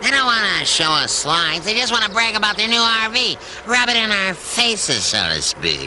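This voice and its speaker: A man's high, cartoonish character voice at a moderate pace, with clear background noise. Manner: gruff, sarcastic.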